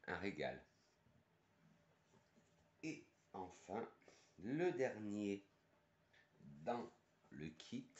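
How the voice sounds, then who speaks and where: A man's voice: lowish voice, lo-fi sound. A man from France with a French accent, casually reviewing perfumes and thinking aloud with fillers and restarts. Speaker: perfume youtuber and sales advisor.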